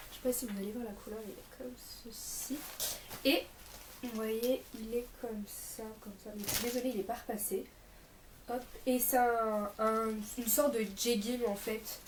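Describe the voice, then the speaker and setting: With a fairly high-pitched voice that's a little off from a mild illness, a young woman rambles informally to camera, correcting herself while going through a shopping haul. The sound is roomy and the background is noisy.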